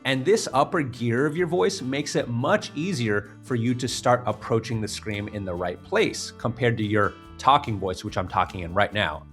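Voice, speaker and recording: A man's voice: mid-range voice, lively intonation, moderate pace, few pauses, fairly bright tone, soft background music. A man giving an instructional tutorial as a vocal coach, explaining emphatically step by step.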